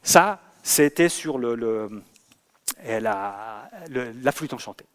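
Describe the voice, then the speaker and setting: A man's voice: medium pitch, slow pace, clean tone. A man, a theatre director, giving a lecture full of anecdotes. He acts out the scenes he describes, stumbling often over fillers and repeated words. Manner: lively storyteller who acts out scenes.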